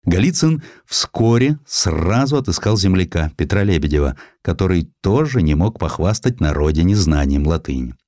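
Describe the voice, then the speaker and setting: A male narrator with a low voice tells a historical tale. His delivery is measured and theatrical, with lively rises and falls in pitch. The recording is dry and close. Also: no room sound. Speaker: audiobook narrator. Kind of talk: dramatic scripted narration of historical essay.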